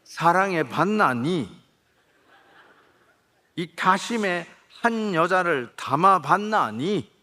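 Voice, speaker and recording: A man voicing an impassioned middle-aged stepfather, speaking in Gyeongsang dialect in a slow, pleading way that rises to shouts. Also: high-pitched, lively intonation, voice pushed up, heavily acted. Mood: tender pleading.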